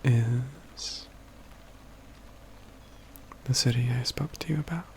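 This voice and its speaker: A man's soft, breathy near-whisper carries this ASMR fantasy roleplay, where he plays a caring, wry, self-assured mage companion. His phrasing is measured and formal, and his mid-range voice has a pensive mood. A little hiss or hum can be heard.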